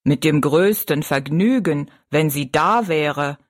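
Dignified male circus giant from a storybook, voiced by a woman, lowered and unhurried. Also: dry recording, studio quality. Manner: courtly and slow, bowing politeness. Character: tall thin dignified circus giant, adult man.

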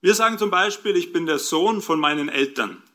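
A man's voice: a little high, expressive, fairly quick, fairly bright tone. A man preaching a sermon, explaining scripture and asking his listeners rhetorical questions.

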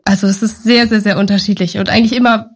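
A woman's voice: mid-range voice, steady tone, quick pace. Woman in her thirties, thoughtful. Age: 30s. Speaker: guest, team coordinator. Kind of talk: interview conversation.

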